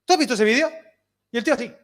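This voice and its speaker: A man preaching a sermon in a lively, conversational way, often dropping to soft, near-whispered lines. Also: very high voice, very fast. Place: outdoor summer cinema.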